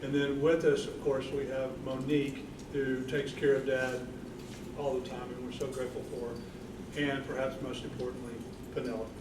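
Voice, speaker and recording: A man's voice: medium pitch, little pitch movement, normal speed. A middle-aged man giving an informal thank-you speech to an audience as a family spokesperson. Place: indoor room with an audience. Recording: echoey room, distant, clearly noisy.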